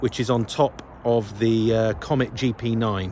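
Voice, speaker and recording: Medium-pitched male speech amid noticeable background noise. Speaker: amateur radio operator. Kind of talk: casual talk to camera.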